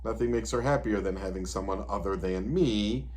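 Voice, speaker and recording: A man in his fifties, a disability advocate, explaining plans and supports in a relaxed interview, with frequent "you know" asides. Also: lowish voice, moderate pace, crowd noise. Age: 50s. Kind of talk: conversational interview advice.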